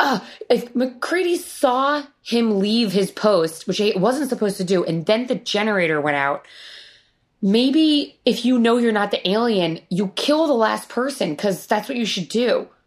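In an American accent, a voice moves through very wide pitch swings at a fairly slow pace in an animated tone, recorded very cleanly against a silent background. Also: woman, fairly high pitch for a woman. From Rhode Island, US. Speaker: podcaster guest. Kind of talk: casual chat.

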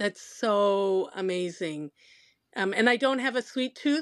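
In a very clean recording with a silent background, a woman with an American accent talks at a moderate pace in an unremarkable speaking voice with ordinary pitch variation. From US Midwest, Minnesota. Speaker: sommelier and food tour guide. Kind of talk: interview.

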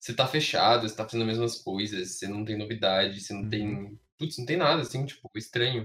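Here a man has an ordinary speaking voice, medium in pitch with ordinary pitch variation. He talks at a fairly quick pace with hardly any pauses. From Brazil. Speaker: musician and producer. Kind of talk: casual chat.

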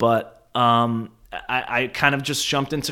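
A man talks in a plain, everyday voice. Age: 20s. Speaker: podcast host and mobile car detailer. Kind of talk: casual solo podcast monologue. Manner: casual, filler-heavy.

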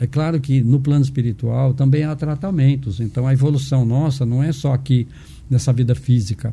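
A man at a medium pitch speaks with fairly even intonation in a somewhat breathy voice with a dark, mellow tone. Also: moderate pace. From northern Paraná, Brazil. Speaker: doctor. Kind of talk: interview. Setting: live stream.

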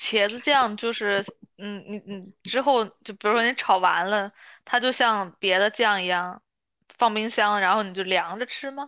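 Against a quiet background, a woman with a medium-pitched, bright, sharp tone speaks fairly slowly, with ordinary pitch variation and big swings in loudness. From northern China. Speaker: podcast host. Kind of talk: casual chat.

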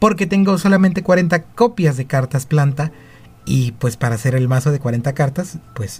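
A man with a northern Mexican accent, somewhat breathy, at a fairly slow pace with lively intonation. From Mexico, Monterrey. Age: 20s. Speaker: gaming podcaster. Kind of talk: gameplay commentary. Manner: halting.

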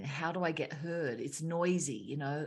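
This woman speaks with an Australian accent. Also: quiet background. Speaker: author and feminine energy teacher. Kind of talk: interview.

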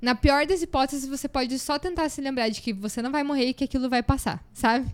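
A woman at a moderate pace, ordinary pitch variation, in a very clean recording with a silent background. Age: 20s. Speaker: psychologist. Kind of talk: casual chat.

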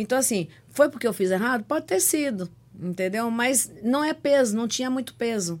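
In a fairly high pitch, a woman speaks at a moderate pace with lively intonation. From Bahia, Brazil. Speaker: podcast co-host. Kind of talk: casual chat.

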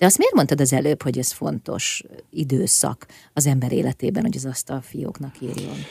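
The speech moves at a moderate pace with a dry, close sound and no echo. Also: woman. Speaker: radio host. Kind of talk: interview.

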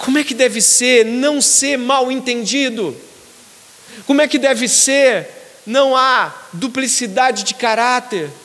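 Against noticeable background noise, the speaker goes at a very slow pace with long, frequent pauses and ordinary pitch variation. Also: man, extremely high pitch for a man. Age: 40s. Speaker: pastor. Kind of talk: sermon.

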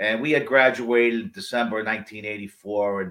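Speaking with an American accent, a man has a bright, sharp tone. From Brooklyn, New York. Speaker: retired police detective. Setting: video call.

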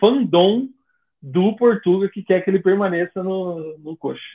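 A man's voice with a high pitch. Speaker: football podcast host. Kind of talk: casual chat. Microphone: phone mic without headset, audio changed.

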